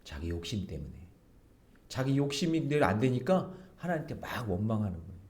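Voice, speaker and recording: A middle-aged male pastor giving an early-morning sermon in a lively, conversational way, acting out bits of dialogue as he preaches in a church. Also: fairly low pitch, fairly quick. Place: church sanctuary.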